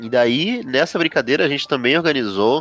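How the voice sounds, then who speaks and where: A man with a Rio de Janeiro accent speaks at a medium pitch with lively intonation, his voice dry and close with no echo while music plays in the background. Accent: Rio de Janeiro (carioca). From Rio de Janeiro, Brazil. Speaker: game developer. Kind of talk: casual podcast chat.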